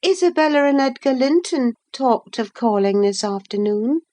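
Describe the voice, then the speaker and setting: A woman's voice: sits high, expressive, normal speed, dark tone, voice pushed up. A woman reading aloud who voices a petulant young woman, making her complaining and raised well above her own voice. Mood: coaxing. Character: petulant, peevish young woman, quick to irritation.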